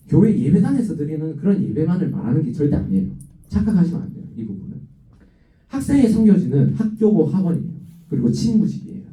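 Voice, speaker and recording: A man with a Gyeongsang accent preaching an animated, exhorting youth revival sermon in a church sanctuary. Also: a little high. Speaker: guest preacher. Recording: roomy, dull, distant church recording.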